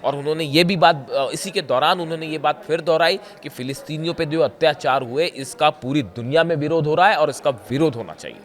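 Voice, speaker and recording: A hoarse man giving conversational news commentary straight to his viewers, pausing often and pointing things out as he explains. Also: a little high. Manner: conversational, often says "dekhiye", frequent filler pauses.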